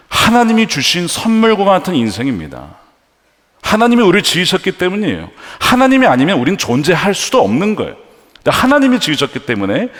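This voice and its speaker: A man's voice: on the high side, a bit bright. A male pastor preaching a sermon with emphasis, posing questions to the congregation in a large church. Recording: long church-hall reverb.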